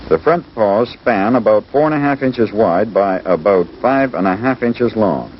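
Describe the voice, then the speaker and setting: A man's voice: on the low side, lively intonation, normal speed, dull audio, a little hiss or hum. A man delivering scripted first-person narration as the narrator of a wildlife documentary. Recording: band-limited old 16mm educational film soundtrack. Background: loud background music.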